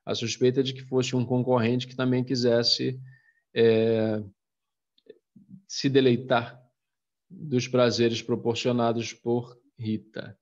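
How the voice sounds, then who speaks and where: A man with a Brazilian Portuguese accent teaching a literature class on video, his voice at an ordinary middle pitch. He explains step by step and keeps checking that his students follow. The recording sounds a little dull and lo-fi. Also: level tone, slow. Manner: explanatory, addresses students as "gente", frequent "né?" and "tá?".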